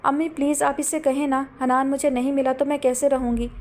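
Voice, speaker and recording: A desperate young woman pleads and insists, high-voiced and stubborn, as a woman narrator puts her on. An audiobook drama sister with a raw, demanding edge. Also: little pitch movement, darkish tone, close to an everyday voice. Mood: pleading.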